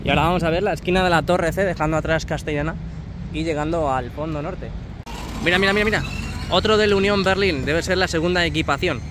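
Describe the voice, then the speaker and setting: A man's voice: on the high side, fast. A man from Spain giving jokey, chatty commentary as he walks outdoors, filming on his phone. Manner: jokey, chatty, broken English with foreigners. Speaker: vlogger. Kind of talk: casual walking commentary. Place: outdoors on a city street. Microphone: phone held by the speaker. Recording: traffic noise outdoors.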